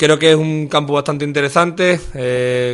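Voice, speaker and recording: A man at a fairly slow pace with fairly even intonation, over a quiet background. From Lebrija, Andalusia, Spain; Andalusia, Spain. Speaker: footballer and youth football school head. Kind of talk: press conference presentation. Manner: halting, many repetitions. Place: meeting room. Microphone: podium.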